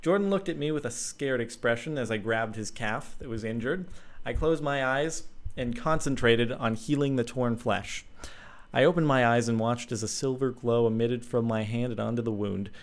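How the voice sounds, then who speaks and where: A man's voice: medium pitch, normal speed. A young man, host of his channel, casually reading a fan story aloud with frequent ums and chuckling asides.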